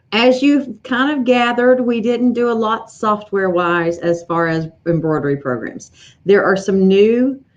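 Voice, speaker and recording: A middle-aged woman from East Tennessee with a Southern accent, hosting a casual live stream from her home sewing room, chatting and greeting viewers with lots of fillers and restarts. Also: on the low side. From East Tennessee, USA. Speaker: livestream host, embroidery educator. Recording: slightly dull lo-fi livestream audio.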